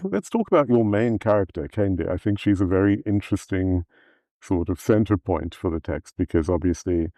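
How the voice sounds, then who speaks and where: A man interviewing an author in a measured, thoughtful way, often saying "kind of". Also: deep voice, animated, dark tone, dry recording. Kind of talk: conversational interview.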